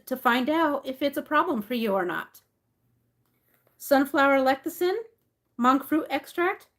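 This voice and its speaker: A woman from Mexico and the rural Southwest hosting a casual livestream, chatty and informal as she thinks aloud. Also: high-pitched. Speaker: livestream host. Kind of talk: casual livestream chat, reading labels aloud and replying to viewers.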